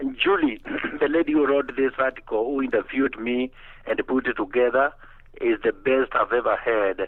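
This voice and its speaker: A man with a Kenyan accent speaks at a moderate pace in a medium pitch, his intonation fairly even. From Kenya, Kamba community of Kangundo. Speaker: motivational speaker. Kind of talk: interview.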